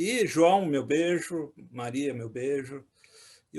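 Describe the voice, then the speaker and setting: A man's fairly high pitch, with ordinary pitch variation. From Rio de Janeiro, Brazil. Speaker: writer, literature teacher. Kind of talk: panel debate closing remarks.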